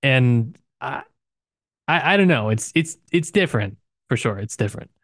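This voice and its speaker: A man's voice: mid-range voice, expressive, moderate pace, a bit bright, no room sound, clean studio sound. A man co-hosting a podcast, thinking aloud informally in a casual discussion of literature. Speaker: podcast co-host.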